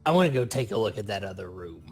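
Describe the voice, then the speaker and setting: Man, lowish voice, tabletop player, roleplay banter, faint music behind. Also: lively intonation, fast.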